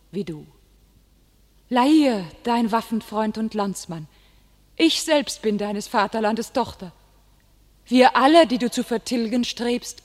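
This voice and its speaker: An actress playing a young, divinely inspired warrior maiden in a classic radio drama, speaking solemn, impassioned verse in a commanding way. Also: female voice, medium pitch, close to an everyday voice. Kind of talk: classic German radio play, declaimed stage verse.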